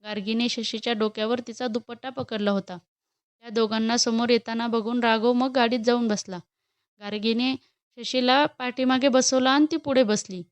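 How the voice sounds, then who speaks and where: A woman reads a romantic story aloud in a steady, expressive way. Her voice sits fairly high and sounds smooth and clear. It is recorded close on a dry mic. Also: moderate pace, dry recording. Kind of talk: scripted story narration.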